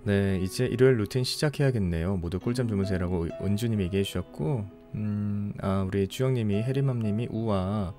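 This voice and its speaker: A weary young man from Ulsan, South Korea, hosts a late-night book-reading livestream, his voice sitting on the low side. Tired after a long broadcast, he chats softly and unhurriedly while reading listener comments, sounding apologetic and thankful. Faint music plays behind him.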